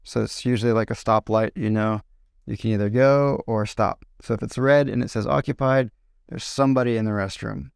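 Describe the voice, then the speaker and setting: A man teaching a relaxed English lesson. His voice is gravelly yet smooth and resonant, and it sits close and dry on the mic. He explains slowly, with fillers and simple examples. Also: fairly low pitch, no room sound. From California. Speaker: English teacher and podcast host. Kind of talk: casual spoken English lesson.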